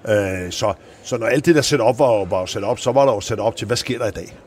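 Tidligere håndboldtræner, en mand, der fortæller levende. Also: male voice, on the low side, slight background noise. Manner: animated, acts out quoted voices in anecdotes. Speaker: former handball coach. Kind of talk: anecdotal interview storytelling.

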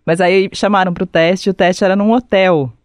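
A woman's voice: mid-range voice, steady tone, moderate pace, no echo, studio quality. A woman, hosting a music interview show, who asks short questions and tells her own stories in a chatty way. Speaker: interviewer and host. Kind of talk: radio interview.

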